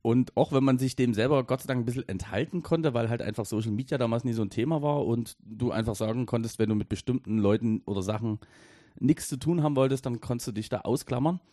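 A man's voice: medium pitch, quick pace, warm tone, no room sound. A man in his thirties from Dresden chats on a podcast, rambling and hesitant, circling back through fillers and restarts. His voice sits in a middle range, recorded close and dry with no room sound. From Dresden, Germany. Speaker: podcast co-host and editor. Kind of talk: casual podcast chat.

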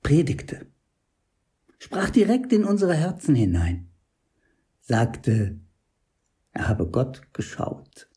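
A man's voice: medium pitch, huge pitch swings, takes it slowly, long pauses, mellow. A man playing a stubborn believer in a German audio drama, testifying intensely as he searches for words. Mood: earnest, remembering. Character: stubbornly believing man, defiant witness recalling youth. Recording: music under the voice.

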